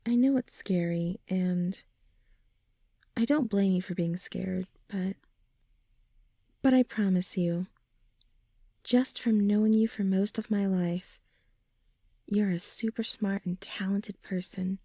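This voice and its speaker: A supportive young female friend, acted by a woman, speaks in a soft, mellow voice at an unhurried pace. She is soothing and encouraging, as in an ASMR comfort roleplay. The sound is dry, with no room around it. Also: medium pitch, dry recording. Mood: gently reassuring. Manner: soft, soothing, encouraging, breathy sighs and chuckles. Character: supportive young female friend, gently reassuring a worried graduate.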